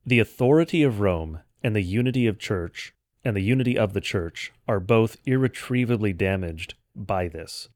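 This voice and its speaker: Low-voiced man giving a measured lecture. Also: animated, darkish tone, dry recording, clean studio sound. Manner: measured, didactic, formal wording. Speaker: host of a church history podcast. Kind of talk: explanatory lecture, semi-scripted narration.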